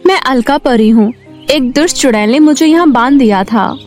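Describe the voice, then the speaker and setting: Cartoon fairy, performed by a woman narrator: fairly high, gentle, earnest explainer, music bed underneath. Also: moderate pace, lightly acted. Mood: troubled. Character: gentle female fairy needing help. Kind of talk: animated Hindi moral story acting. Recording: music behind the voice.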